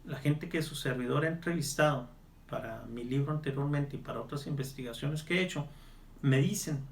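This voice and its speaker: A man's voice: medium pitch, brisk, gravelly, slight background noise. A male evangelist pastor leading a televised Bible study and prayer, earnest and pleading as he speaks straight to the listener.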